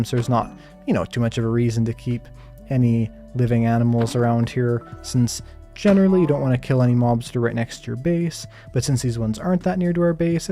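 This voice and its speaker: A man giving calm, soft-spoken live gameplay commentary while answering chat questions, with plenty of hedges and fillers. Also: mid-range voice. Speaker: Minecraft streamer.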